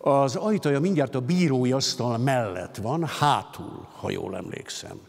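A man voicing a composed male official who calmly lays out the steps for moving a prisoner, speaking in measured, businesslike instructions. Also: mid-range voice, creaky. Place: concert hall stage at a literary gala. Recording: long hall reverb.

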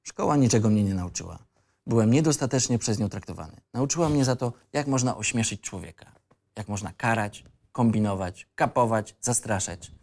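A man's voice: fairly low pitch, animated, moderate pace, a little mellow. An actor playing a cocky, disillusioned young male student in an audio drama script reading, with an insolent, ironic and reflective manner. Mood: bitter.

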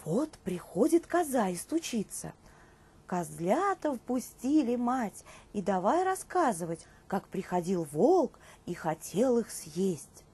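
A woman in her thirties presenting a children's show and telling tales in an expressive way for young listeners. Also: medium pitch, slow pace, husky. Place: indoor TV studio dressed as a nursery.

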